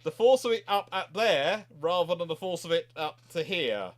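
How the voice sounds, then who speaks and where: A man's voice: high voice, expressive, moderate pace. A man hosting a casual history chat, rambling and digressive, often interrupting his own sentences. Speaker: host, naval historian.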